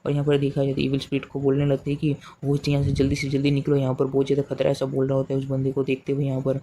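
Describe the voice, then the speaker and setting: A man's voice: medium pitch, rapid-fire, slight background noise. A man with an Indian accent casually recapping a comic chapter, rambling and repeating himself with many fillers and restarts. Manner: speaks quotes in the same flat narrating voice. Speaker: manhwa recap narrator. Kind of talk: casual story recap narration.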